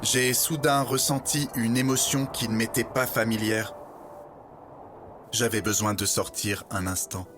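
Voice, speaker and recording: A man playing a polite robot guide in an audio documentary drama, speaking in a measured, formal way over music. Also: medium pitch, steady tone, noisy background, lightly acted. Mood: hesitant, moved. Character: polite, earnest male robot guide recounting humanity's end. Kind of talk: scripted documentary fiction narration. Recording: music bed behind the voice.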